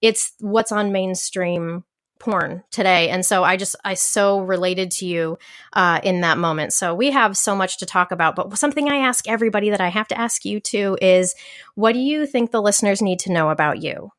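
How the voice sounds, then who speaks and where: A woman's voice: mid-range voice, moderate pace, a bit bright, no room sound, studio quality. A middle-aged woman hosting a parenting podcast, chatty and curious, laughing often as she asks questions. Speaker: podcast host. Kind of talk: podcast interview.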